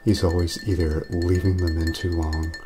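A man playing an easygoing friend and long-suffering baseball fan in a soft-spoken, casual ASMR roleplay, often repeating himself and slipping toward a whisper. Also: deep voice, level tone, normal speed, lightly acted. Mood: mildly exasperated. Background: background music, clinking glasses.

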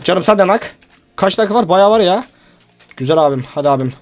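A young man playing a mobile shooter, giving joking, excitable commentary to viewers and teammates. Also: sits high, quick pace, slight background noise. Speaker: gaming YouTuber. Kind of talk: live mobile game commentary. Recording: game sounds and music behind.

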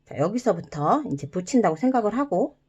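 A woman guiding viewers through a paper-folding craft step by step, gentle and encouraging, with playful sound words. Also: mid-range voice, very animated, fairly quick, slightly rough, dull audio. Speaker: origami instructor.

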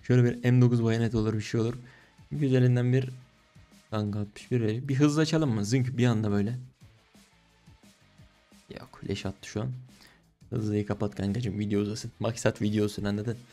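A young man giving casual, slangy gaming commentary while opening cases, excitable and pleading, groaning at bad results. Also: on the low side, a little fast, long pauses. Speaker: case-opening streamer. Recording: faint music behind.

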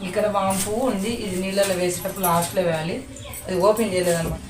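A woman's voice: mid-range voice, fairly even intonation, fast, far from the mic, over music. A woman from India chatting casually as a vlogger, explaining a home remedy step by step. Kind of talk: casual vlog narration. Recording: echoey room, off-mic, noisy.

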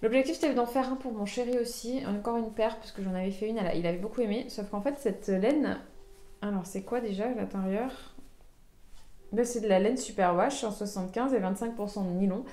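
A woman's voice: mid-range voice, brisk, warm tone. A woman hosting a knitting podcast, chatting casually and showing her projects, with frequent fillers and restarts. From France. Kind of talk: casual show-and-tell chat. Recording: echoey room.

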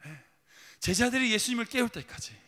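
A man's voice: very high-pitched, expressive, fairly quick, bright, forceful tone, in a large hall. A man preaching a sermon dramatically, full of rhetorical questions. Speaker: pastor. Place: church sanctuary.

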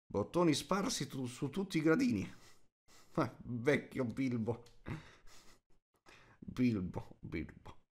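An old storybook dwarf, acted out by a male narrator, muttering to himself in amused, grudging admiration. His voice is lifted in pitch. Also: very animated, slow pace, long pauses, darkish tone, husky, heavily acted.

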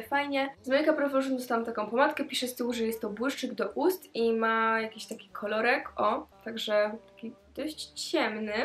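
A teenage girl chatting cheerfully as she unboxes gifts in a casual vlog, with many small hesitation sounds, recorded in her bedroom on a camera mic. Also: on the high side. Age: teens. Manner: chatty and cheerful, with frequent "e" fillers. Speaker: vlogger.

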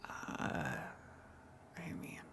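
Woman playing a slow whispering, coy tentacle monster. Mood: flustered, coy. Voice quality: breathy whisper. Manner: halting, coy, gently teasing. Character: friendly, flustered but teasing eldritch tentacle monster woman. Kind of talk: ASMR roleplay.

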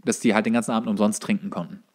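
A man's voice: fairly low pitch, steady tone, rapid-fire, a little mellow. A man co-hosting a podcast, telling anecdotes casually, often repeating and correcting himself as he goes. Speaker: podcast co-host. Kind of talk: casual chat, bar anecdotes.

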